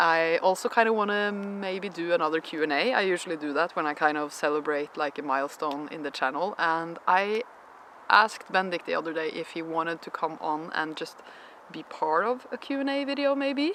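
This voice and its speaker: This woman talks fairly quickly with lively intonation, and noticeable background noise is present. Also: fairly low pitch for a woman. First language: Norwegian. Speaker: lifestyle vlogger. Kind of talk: casual talk to camera. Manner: casual, many filler words.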